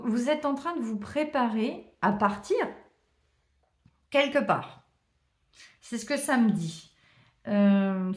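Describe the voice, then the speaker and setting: A woman chats her way through a tarot reading, thinking aloud and filling gaps with hesitations. Her voice sits slightly high. The room around her rings with noticeable echo. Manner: chatty, warm thanks, many hesitations and small laughs. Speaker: tarot reader. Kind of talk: casual card-reading chat to viewers. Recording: roomy echo.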